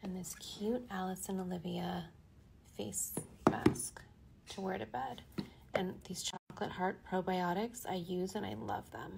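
Soft-spoken and at a fairly slow pace, a woman with a medium pitch uses lively intonation and long, frequent pauses over noticeable background noise. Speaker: social media poster. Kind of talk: casual talk to camera. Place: home room. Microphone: phone near.

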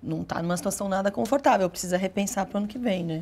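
A woman speaks very fast in a fairly low voice with ordinary pitch variation, on a very clean recording with a silent background. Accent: Brazilian. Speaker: sports commentator. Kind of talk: casual sports talk show. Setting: TV studio.

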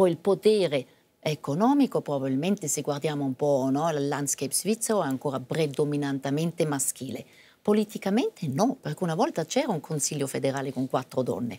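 A woman's very deep, low voice with a dark, mellow tone, lively intonation and a fairly quick pace. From Switzerland. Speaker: diplomat; interview guest. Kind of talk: interview. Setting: studio. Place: studio. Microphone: lapel.

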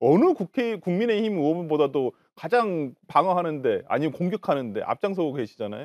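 A man's high-pitched voice with very wide pitch swings, dry and echo-free against a quiet background. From South Korea. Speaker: politician. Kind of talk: political talk show debate. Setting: studio. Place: studio.

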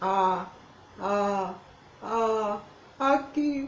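Over clear background noise, a female-sounding voice at medium pitch performs a put-on character voice. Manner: stuttering, scared.

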